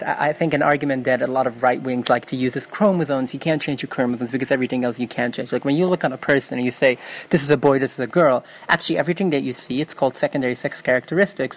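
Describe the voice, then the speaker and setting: A woman's voice: extremely low pitch, fast, low-quality recording. A young woman from New York, a native Yiddish speaker, answering interview questions in an earnest, self-correcting way. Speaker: interview guest.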